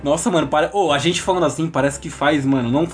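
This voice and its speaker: A man from Brazil co-hosting a casual podcast, excitable and slangy when telling stories. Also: a little high, fast talker. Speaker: podcast co-host.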